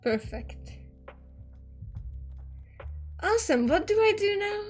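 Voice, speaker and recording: A woman's voice: extremely high pitch, very animated, normal speed, darkish tone, faint music behind. A woman whose first language is Hungarian, rambling casually as she draws, trailing off mid-thought and swearing now and then. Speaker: artist streamer. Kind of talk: casual commentary while drawing.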